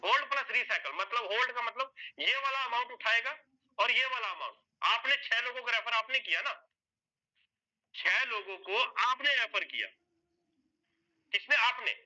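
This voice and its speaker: Man, whiteboard explainer, sharp high voice, repetitive step-by-step, rhetorical questions, muffled lo-fi sound. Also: animated, moderate pace, pauses often. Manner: addresses listeners as sir and brother. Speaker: presenter explaining an earning plan. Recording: dull lo-fi recording.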